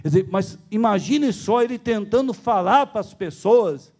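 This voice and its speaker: Faint music plays behind a pastor with a Brazilian Portuguese accent as he preaches in church at a moderate pace. His sermon is built on stories, punctuated by chuckles and sudden high jumps in his voice when he's excited.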